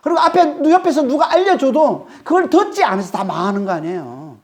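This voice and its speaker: A male pastor from Korea working through a scripture passage with emphatic, animated delivery. His pitch swings widely as he stresses each point. He keeps asking the congregation short questions to hold their attention. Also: brisk. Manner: animated, rises sharply when dramatizing. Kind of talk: expository sermon.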